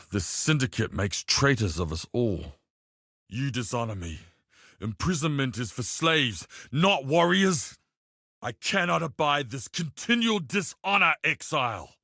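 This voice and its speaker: A man playing a proud, honor-bound tribal warrior in a video game, speaking in a solemn, formal, measured way. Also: mid-range voice, a bit bright, dry recording, clean studio sound. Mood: contemptuous, then wounded, indignant. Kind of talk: video game character acting.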